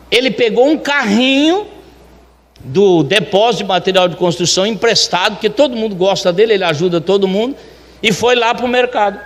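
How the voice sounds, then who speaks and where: A man tells a testimony with lively, acted-out dialogue. His voice sits high for a man. A long hall reverb trails each phrase. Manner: animated, acts out dialogue. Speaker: restaurant owner giving a testimony. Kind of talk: church testimony storytelling.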